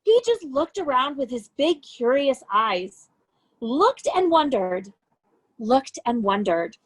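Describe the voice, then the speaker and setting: Reading a children's storybook to young kids, a woman with a high voice sounds very animated, her pitch rising and falling a great deal. She shapes every sentence with care and leans into key words, as an educator would. The recording is low-quality and slightly rough.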